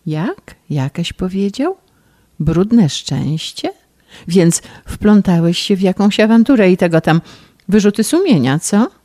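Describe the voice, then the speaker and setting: A woman's voice: mid-range voice, animated, measured pace, dark tone, no echo, clean studio sound. A woman voicing an elderly bald scholar uncle who talks in a coaxing, bemused way in an audiobook reading.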